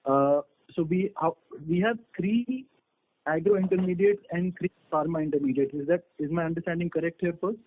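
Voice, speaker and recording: Higher-voiced Indian man on a phone line. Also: brisk. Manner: polite, hesitant, double-checks understanding. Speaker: caller, analyst asking questions. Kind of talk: earnings call questioning. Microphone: phone call. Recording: dry, thin phone-line sound.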